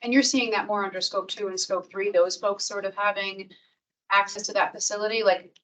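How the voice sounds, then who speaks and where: Woman, staff, brisk and flat delivery, distant from the mic. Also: mid-range voice.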